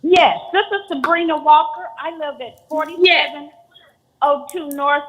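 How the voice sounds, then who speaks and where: A woman's voice: high-pitched, measured pace, fairly bright tone, low-quality recording. A woman speaking as a remote commenter at a public hearing over a choppy online connection that keeps breaking up, so her words arrive in broken fragments. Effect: choppy online call connection that keeps breaking up.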